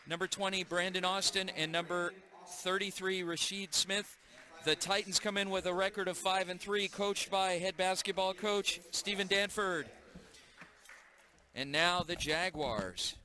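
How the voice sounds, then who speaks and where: A man calling a live high school basketball game play by play in a gym, brisk and energetic. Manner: brisk, energetic call of the action. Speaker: play-by-play announcer.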